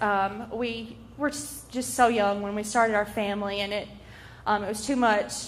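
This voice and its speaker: Talking at a moderate pace in a Southern US accent, a woman keeps a fairly high pitch with monotone, flat intonation. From US South, Tennessee. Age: 30s. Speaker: recovery program resident. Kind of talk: testimony.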